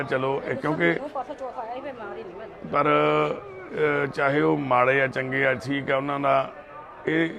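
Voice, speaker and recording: A man with a Punjabi accent, a social worker, calmly explaining to the camera outdoors in a village. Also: mid-range voice, vocal fry. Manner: loud coaxing calls, then measured earnest talk. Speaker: social worker helping addicts. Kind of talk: pleading on the scene, then calm explanation to camera.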